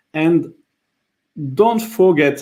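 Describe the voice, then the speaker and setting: A man talks at a fairly slow pace with a French accent. His pitch varies in an ordinary way. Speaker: scuba diving school founder. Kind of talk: live stream presentation. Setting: live video stream.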